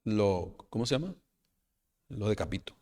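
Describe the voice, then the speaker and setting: A pastor preaches a sermon to his congregation, calling them brothers and asking rhetorical questions. His lowish, expressive voice moves at normal speed, shifting between loud, emphatic lines and quiet, trailing asides.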